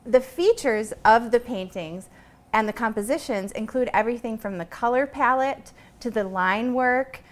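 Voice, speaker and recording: Earnest woman with a slightly high voice. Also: normal speed. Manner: earnest, explanatory. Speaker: guest, painter and creativity consultant. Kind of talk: conversational interview answers.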